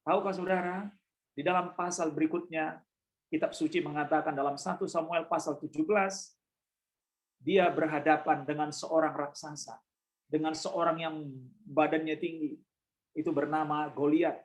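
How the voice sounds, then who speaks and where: A man's voice: on the high side, steady tone, moderate pace, pauses often, rough recording. A male pastor preaching a sermon in church, emphatic and repetitive, addressing the congregation directly.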